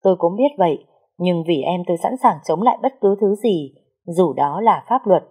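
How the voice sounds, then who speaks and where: A woman telling a sad first-person story in an emotional, lyrical voice. Her tone is low, dark and husky, with a melancholy pull throughout. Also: expressive, normal speed.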